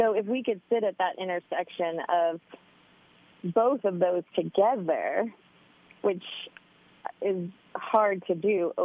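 Speaking very slowly with long, frequent pauses, a woman with a Texan accent uses a medium pitch and ordinary pitch variation. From Texas, Round Top area. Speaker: author and pie shop owner. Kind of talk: radio interview.

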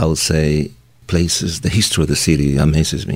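A man with a very deep, low pitch and a Spanish accent at a moderate pace, amid noticeable background noise. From Colombia. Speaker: media founder and journalist. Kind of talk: interview.

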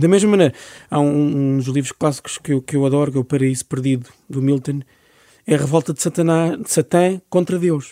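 A man speaks at a fairly high pitch in a dark, mellow tone. The recording is very clean, the background silent. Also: ordinary pitch variation, moderate pace, dry, close sound with no echo. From Lisbon outskirts, Portugal. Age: 40s. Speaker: writer and columnist. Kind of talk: interview.

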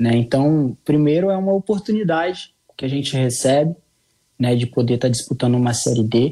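This man talks at a fairly quick pace, fairly high in pitch, with a dark, mellow tone and lively intonation. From Brazil, Espírito Santo (Vitória). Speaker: footballer. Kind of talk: interview. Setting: virtual studio.

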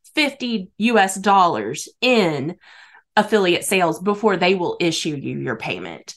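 A woman with an American accent speaks in an unremarkable speaking voice, her intonation lively against a quiet background. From United States. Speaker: music teacher and online business coach. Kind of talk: interview.

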